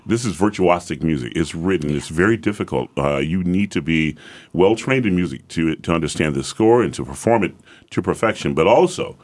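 A man from the American South, an opera singer with a very deep voice, talking as a guest in a relaxed roundtable conversation. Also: a little fast. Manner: relaxed storytelling, laughs easily.

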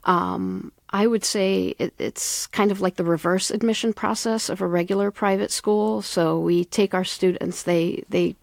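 A woman's voice: mid-range voice, fairly even intonation, unhurried, gravelly, few pauses, darkish tone, dry recording, clean studio sound. A woman from the Middle East, a school founder and soccer coach, answering interview questions earnestly with many fillers.

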